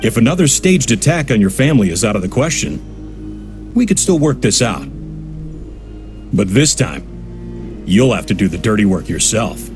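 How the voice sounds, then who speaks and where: A man voicing a cold, businesslike villain boss in a video game, formal, measured and calmly threatening. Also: fairly low pitch, over music. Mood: coolly commanding.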